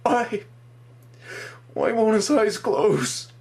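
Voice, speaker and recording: A man's voice: mid-range voice, moderate pace, lightly acted. A man voicing a grief-stricken young man whose cries are raw and pleading. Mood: anguished.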